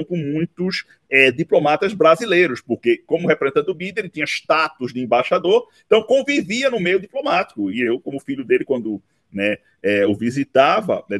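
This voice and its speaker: A man, recounting his life story in an interview, unhurried and dotted with tag questions. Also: mid-range voice, no room sound. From Recife, Brazil. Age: 50s. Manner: unhurried, with frequent "né" tags and restarts. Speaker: interview guest, law professor. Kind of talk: relaxed autobiographical interview.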